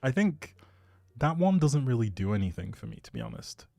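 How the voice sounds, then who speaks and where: A man's voice: medium pitch, wildly swooping pitch, a little fast, warm tone, no echo. A man hosting a livestream, chatting casually with viewers in a rambling, jokey, playful way. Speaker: streamer, host. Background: background music.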